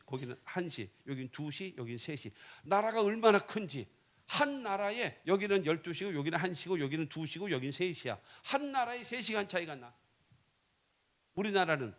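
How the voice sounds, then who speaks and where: High-voiced folksy Korean pastor preaching. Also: male voice. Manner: folksy, joking, swings between loud and quiet. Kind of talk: revival sermon.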